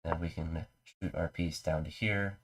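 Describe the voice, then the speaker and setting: A man's voice: steady tone, measured pace. A man with a mild cold and a congested voice, casually talking through his chess moves on a live stream. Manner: low-key, talks through his moves.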